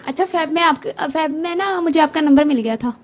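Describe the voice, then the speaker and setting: A woman's voice: high-pitched, a little fast, slight background noise. A woman casually recounting a personal testimony, chatty and laughing, quoting what she said. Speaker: guest giving testimony. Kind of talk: casual storytelling.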